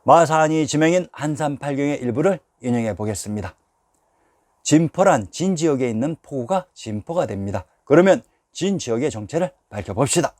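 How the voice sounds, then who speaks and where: Mellow-voiced man narrating a history lecture. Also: a little high, animated, no echo, clean studio sound. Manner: measured, addresses viewers with rhetorical questions.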